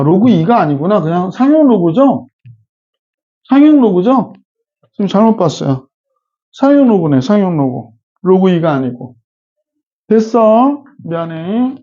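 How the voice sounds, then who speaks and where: A man's voice: high voice, dull audio. A middle-aged man teaching math in a classroom lecture, chatty and often checking in with his students. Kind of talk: classroom lecture with casual digressions.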